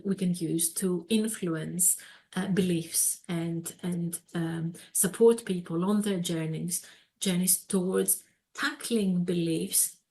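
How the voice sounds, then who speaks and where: Greek-accented woman lecturer, low-ish pitch, gravelly fry, explains step by step with fillers. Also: darkish tone. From Greece. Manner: explanatory, many fillers and repeated words. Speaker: webinar speaker, psychologist. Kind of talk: presenting a webinar lecture.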